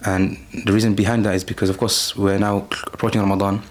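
A man reciting scripture, then explaining it in casual podcast talk. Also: on the low side. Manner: fast, flat delivery, switching between chanted Arabic and English explanation. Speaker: podcast guest, Quran reciter.

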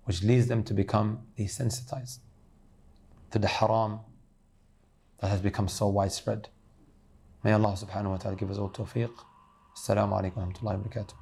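A man's voice: fairly low pitch, mellow. A man preaching an earnest sermon, addressing his listeners as brothers and sisters.

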